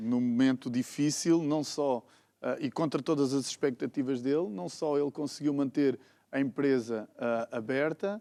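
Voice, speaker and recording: A man with a European Portuguese accent speaks at a fairly slow pace, his pitch fairly high and his tone dark and mellow. The very clean recording has a silent background and a dry, close sound with no echo. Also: ordinary pitch variation. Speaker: pastor, TV program co-host. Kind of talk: religious TV program, reading testimonies.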